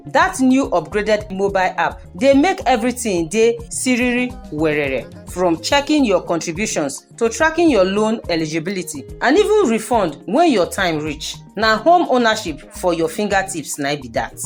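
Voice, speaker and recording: A woman with a Nigerian accent playing a lively, streetwise adviser in a folksy, persuasive Pidgin radio monologue, exclaiming and addressing her listeners directly. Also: medium pitch, close to an everyday voice. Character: Madam Cho Cho Cho, lively streetwise woman giving housing advice. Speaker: radio segment presenter.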